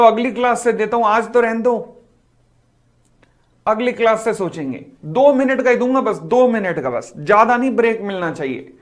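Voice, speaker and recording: A middle-aged male teacher with a high voice, teaching a live online class. He tells a story with lively energy and acts out each part of the dialogue, teasing his students as he goes. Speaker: commerce teacher.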